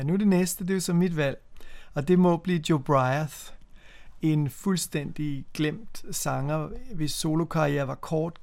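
A man's voice: fairly high pitch, creaky, a little mellow. A man in his fifties from Denmark, co-hosting a casual radio chat about music and recalling memories with frequent restarts. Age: 50s. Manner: hesitant, repeats words while recalling memories. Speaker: co-host.

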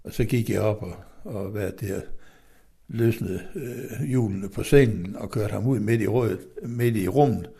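Middle-aged man from western Denmark, interview guest, very gravelly low voice, rambling stop-start storytelling. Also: dark tone. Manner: rambling, halting with fillers and restarts.

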